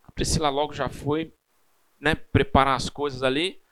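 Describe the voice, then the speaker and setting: A man's voice: fairly high pitch, level tone, normal speed, fairly bright tone, smooth. A man in his thirties with a Brazilian Portuguese accent, teaching a church class in a casual, chatty way full of personal stories and tag questions.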